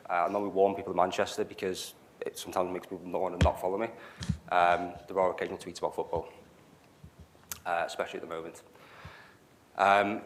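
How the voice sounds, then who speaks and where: Deep-voiced Liverpool man giving a tech talk. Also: fairly bright tone. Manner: hesitant, frequent fillers. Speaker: presenter. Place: meetup venue, live audience. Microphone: handheld mic.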